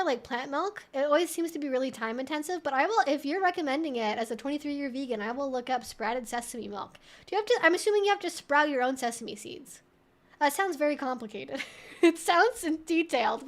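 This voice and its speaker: High-pitched woman chatting on a livestream. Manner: chatty, rambling, thinking aloud. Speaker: livestream host answering viewer questions. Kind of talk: casual live Q&A chat, reading out viewer messages.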